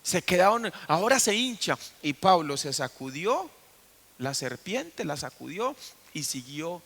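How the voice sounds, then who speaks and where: A man's voice: fairly high pitch, very animated, measured pace, vocal fry, a bit bright. A man preaching a sermon as pastor, telling the story and putting questions to the congregation. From Costa Rica. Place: church.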